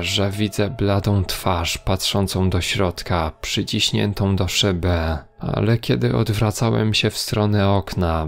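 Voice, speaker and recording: A man reading a horror story in a measured, grave storytelling manner. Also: lowish voice, vocal fry. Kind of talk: scripted horror narration. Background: faint music.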